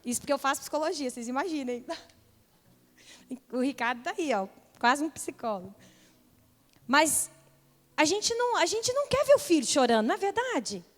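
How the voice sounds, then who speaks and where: High-voiced woman preaching in a hall. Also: sing-song, moderate pace, pauses often. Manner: impassioned preaching, rising to loud repeated calls. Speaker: pastor. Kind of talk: sermon.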